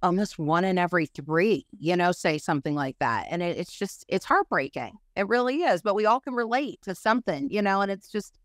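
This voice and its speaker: A woman makeup artist, a guest on a podcast, talking in an animated, chatty way full of fillers. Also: on the low side, brisk, few pauses, no room sound. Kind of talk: casual chat.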